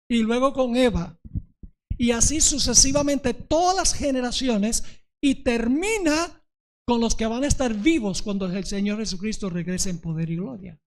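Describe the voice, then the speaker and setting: A man's voice: very high voice, measured pace. A male pastor giving a sermon, often checking whether the congregation understands and retelling a parable dramatically. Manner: preaching, often asking the congregation if they understand.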